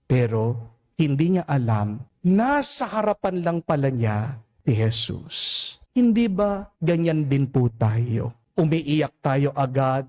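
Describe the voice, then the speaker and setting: A Filipino priest giving a homily, preaching slowly and deliberately, drawing out English phrases and asking his listeners "Amen?". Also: mid-range voice, sing-song, dark tone. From Philippines. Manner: slow, deliberate preaching with emphatic rises and drawn-out English phrases; addresses listeners as "mga kapatid" and asks "Amen?".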